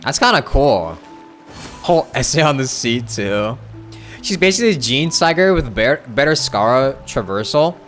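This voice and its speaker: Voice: medium pitch, sing-song, normal speed, a bit bright. A game streamer chatting casually, musing aloud and reacting to the game. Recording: faint game music behind.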